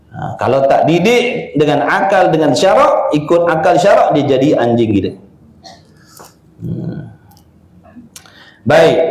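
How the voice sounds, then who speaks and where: A man from Malaysia with a Malaysian Malay accent giving a religious lecture, reading from a book and explaining it with lively swings of pitch and rhetorical questions. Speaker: religious teacher. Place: religious study house. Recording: echoey room.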